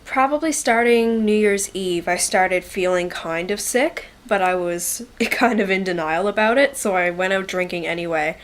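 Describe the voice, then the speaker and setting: A woman's voice: medium pitch, moderate pace, few pauses. A young woman vlogging casually to the camera. She sounds congested from a head cold and talks in a chatty, rambling way with lots of likes and ums. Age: young adult. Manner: shy and quiet by nature. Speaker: beauty vlogger.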